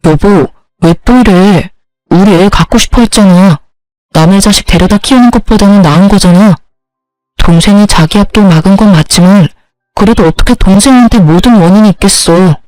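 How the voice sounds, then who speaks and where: A woman's voice: medium pitch, normal speed, a little mellow, no room sound, soft background music, close to an everyday voice, poor audio. A woman voicing a husband who pleads and defends his sister, in a storybook reading. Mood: pleading.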